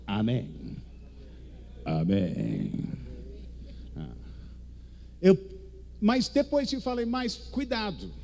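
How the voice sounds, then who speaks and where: Man, English-speaking foreign accent, theatrical preacher, slow delivery, widely swinging pitch, halting grammar. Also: dark tone. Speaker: guest preacher. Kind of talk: charismatic sermon in Portuguese as a second language.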